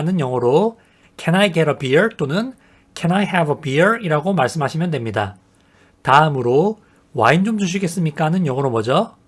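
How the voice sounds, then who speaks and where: An English teacher narrating a travel English lesson, patiently explaining and reading each example sentence slowly and deliberately. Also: mid-range voice. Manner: patient, repetitive explaining with questions to the viewer.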